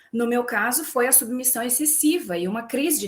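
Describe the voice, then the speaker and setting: Her voice is high and her pace fairly quick as the woman speaks. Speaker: image and style consultant giving a talk. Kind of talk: lecture. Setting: talk to a company team.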